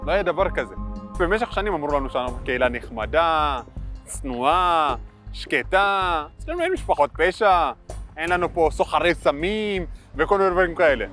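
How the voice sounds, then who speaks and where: A man giving a measured, explanatory interview. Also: a little high, very animated, a bit bright. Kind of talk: interview talk. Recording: music bed underneath.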